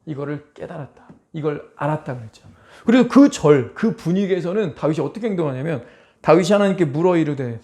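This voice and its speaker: A man's voice: on the high side, animated, brisk, mellow. A male pastor preaching a sermon, emphatic, firing rhetorical questions at the congregation. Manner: acts out quoted voices in dramatic asides.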